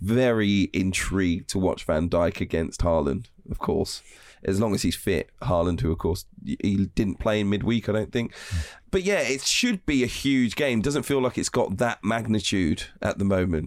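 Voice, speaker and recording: A man with an ordinary speaking voice and fairly low pitch talks at a moderate pace with lively intonation and very even loudness. The recording is very clean, with a silent background. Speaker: football podcast host. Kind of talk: casual chat.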